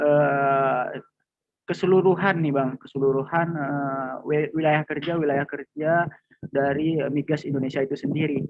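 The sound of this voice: A man is speaking at a moderate pace. His intonation stays fairly even.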